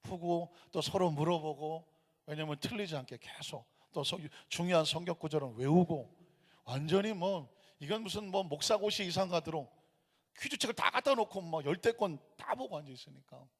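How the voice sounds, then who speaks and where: A high-pitched male pastor preaches with a wildly swinging, expressive voice. He spins a personal story and then breaks into loud, emphatic bursts. The long reverb of a church sanctuary trails behind him. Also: normal speed. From Gyeonggi, Korea. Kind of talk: sermon.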